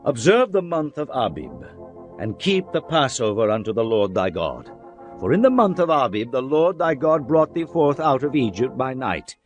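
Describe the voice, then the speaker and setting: A man giving a dramatized Bible reading, in a solemn, measured recitation of archaic scripture. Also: medium pitch. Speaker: scripture narrator. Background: background music.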